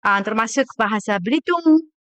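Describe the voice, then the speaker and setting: A middle-aged woman with a Japanese accent, a native Japanese speaker using Indonesian as a foreigner, hesitant and halting, as an academic guest. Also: fairly high pitch, lively intonation, a bit bright, dry recording. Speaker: guest, university linguist.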